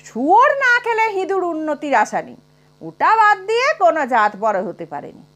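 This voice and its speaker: A woman's voice: extremely high pitch, huge pitch swings, moderate pace, fairly bright tone, voice pushed up, exaggerated voice. A woman voicing a stern, serious older male mathematics professor who speaks bluntly. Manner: grave, blunt.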